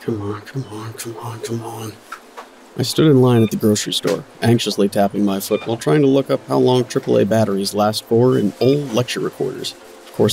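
A man's voice: lowish voice, creaky, dark tone, a little hiss or hum, low-quality recording. A man playing an impatient, nervy narrator in an audio drama, wordy and sardonic.

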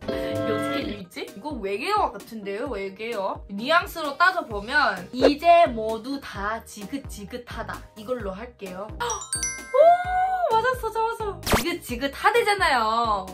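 A young woman with a Thai accent, a native Thai speaker, chatting through a quiz vlog indoors. She exclaims loudly when she gets an answer right or wrong. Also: high-pitched, sing-song, unhurried, over loud music. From Thailand. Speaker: vlogger. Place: indoors in a small room.

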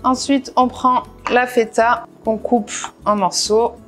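A woman's voice: fairly high pitch, fairly even intonation, slow pace, soft background music. Chatty woman guiding a home recipe. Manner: step-by-step, practical, chatty asides. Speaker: cooking vlogger. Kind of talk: casual cooking voice-over. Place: home kitchen.

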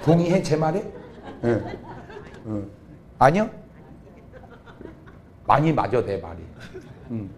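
A middle-aged man, a pastor, preaching a comic revival sermon, jumping from quiet asides to sudden shouts. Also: medium pitch, very animated, slow, pauses often. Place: church revival meeting.

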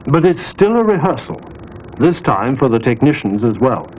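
A man's voice: mid-range voice, big pitch swings, normal speed. A British man delivering scripted narration for a training film, as its narrator. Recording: hissy, narrow 1960s film soundtrack.

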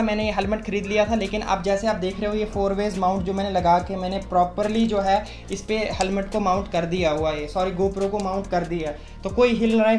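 A man's voice: high-pitched, a little mellow. Young man, chatty step-by-step explaining, small room, faint music. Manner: chatty, explains step by step, mixes English words. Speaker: moto vlogger. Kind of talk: casual tutorial demonstration.

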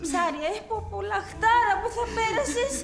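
A gossipy, very high-voiced friend. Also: female voice, lively intonation. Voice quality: gossipy, teasing. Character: young female friend, gossipy, sympathetic. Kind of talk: television comedy acting. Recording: roomy set with music behind.

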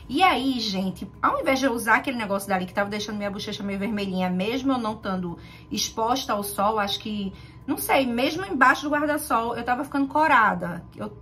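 A woman's voice: on the high side, a bit bright. A woman in her thirties with a Brazilian Portuguese accent, chatting informally to camera as a beauty vlogger, often checking in with viewers. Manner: chatty, informal, frequent tag questions to viewers. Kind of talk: casual chat to camera, product haul. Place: walk-in closet at home, indoors.

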